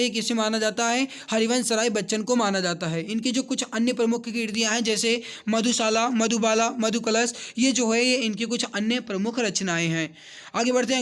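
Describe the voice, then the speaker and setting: A man's voice: very high voice, a bit bright. A man teaching an online exam coaching lesson, walking through questions, repeating answers for emphasis and addressing viewers directly.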